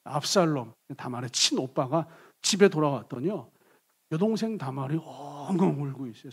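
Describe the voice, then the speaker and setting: A male pastor preaching a sermon, swinging dramatically from near-shouts to hushed tones. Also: sits high, husky.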